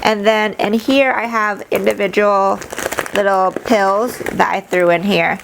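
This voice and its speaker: A woman's voice: medium pitch, steady tone, unhurried, creaky, noisy background. A woman giving a casual, chatty show-and-tell as a travel vlogger, explaining things informally to camera.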